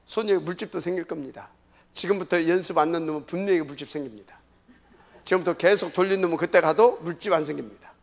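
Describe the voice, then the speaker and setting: A man preaching as a pastor in a church service. He talks emphatically, swinging between loud calls and hushed, whispered repetitions. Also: a little high, fast talker, gravelly. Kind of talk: sermon. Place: church sanctuary.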